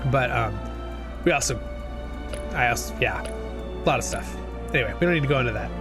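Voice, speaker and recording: A man's voice: mid-range voice, expressive, fairly quick. A man in his twenties from Southern California, chatting casually and rambling to viewers on a live stream while a bit sniffly from a cold. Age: 20s. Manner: rambling, chatty, talks to chat. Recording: music playing behind.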